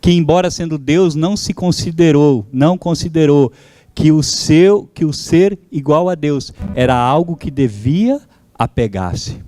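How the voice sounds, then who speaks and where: A man's voice: fairly high pitch, lively intonation, a little slow, dark tone, dry recording. A man whose first language is German, preaching a sermon as pastor, fervent and calling out to his congregation.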